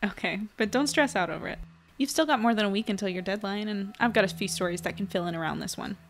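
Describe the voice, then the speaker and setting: A woman playing a practical, reassuring newspaper editor in an audio drama, casual and measured. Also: mid-range voice, slight background noise, lightly acted.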